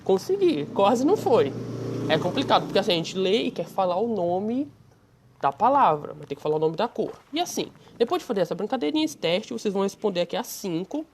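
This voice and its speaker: Woman teacher, Brazilian Portuguese accent, patient, step-by-step explaining, middle pitch. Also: sing-song, brisk, darkish tone, slight background noise. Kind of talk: online Portuguese lesson.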